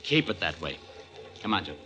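A cool American gangster from an old radio crime drama. His low voice is unhurried and polite, carrying a clear threat. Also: big pitch swings.

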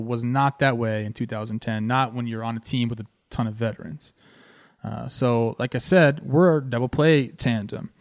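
A man in his thirties from Southern California, a former ballplayer and host, telling stories in an excited, casual way. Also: no echo, clean studio sound. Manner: excited, animated, talks with fillers like "man" and "boom". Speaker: former ballplayer hosting a show. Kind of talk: casual storytelling.

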